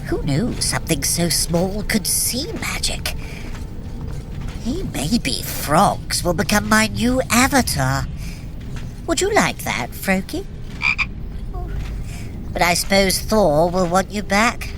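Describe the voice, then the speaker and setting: A woman's voice: mid-range voice, very animated, slow pace, pauses often, background noise. A woman playing a sly, teasing trickster god in an audio drama, captive but cocky, with a wry, theatrical, coaxing manner. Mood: wry, playful. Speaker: voice actor in a fitness audio drama. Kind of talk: audio drama acting, guiding a runner.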